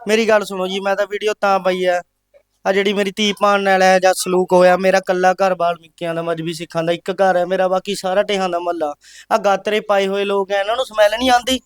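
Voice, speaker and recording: Man, high flat voice, smooth, emphatic, aggrieved. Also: quick pace, no echo, clean studio sound. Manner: emphatic, aggrieved, rhetorical questions. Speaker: interviewee, father of the family. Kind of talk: impassioned testimony.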